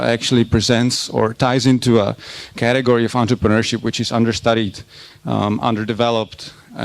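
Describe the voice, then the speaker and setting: A man in his thirties from the Republic, speaking. He gives an academic conference talk and often stops to repeat words while he searches for the next one. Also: medium pitch. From Czech Republic. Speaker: university lecturer presenting research.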